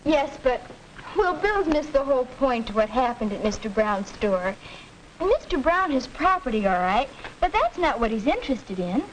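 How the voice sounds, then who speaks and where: A young woman playing a pointed, skeptical high school student debating, in 1940s educational film acting, on a hissy old film soundtrack. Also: sing-song, moderate pace, poor audio. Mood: arguing. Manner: pointed, arguing.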